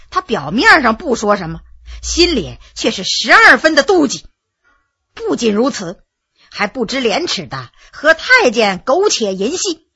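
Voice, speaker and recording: Bright, animated woman storyteller. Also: high voice, husky, lo-fi sound. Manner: vivid, dramatic, with asides to listeners. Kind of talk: traditional storytelling narration.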